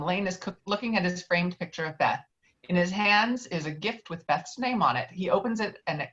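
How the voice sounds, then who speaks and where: A woman's voice: lowish voice, a bit bright. Woman narrating a screenplay, slightly dull sound. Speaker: narrator reading stage directions. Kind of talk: scripted narration at a virtual table read. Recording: dull, lo-fi online call.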